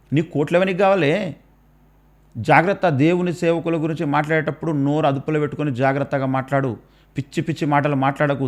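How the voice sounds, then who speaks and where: A man with a Telangana Telugu accent, a Christian commentator scolding with pounding rhetorical questions and repeated warnings. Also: on the high side. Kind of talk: preachy rebuttal.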